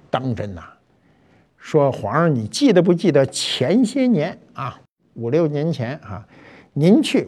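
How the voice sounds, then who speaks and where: An older man, hosting a talk show and telling a history story in a chatty, colloquial way with lively asides. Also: a little high. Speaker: host.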